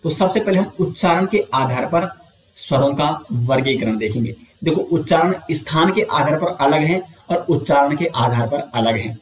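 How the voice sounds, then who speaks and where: A man teaching an exam coaching lesson, explaining step by step, asking and answering his own questions, and drawing out sounds slowly to show them. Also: fairly high pitch, animated, echoey room.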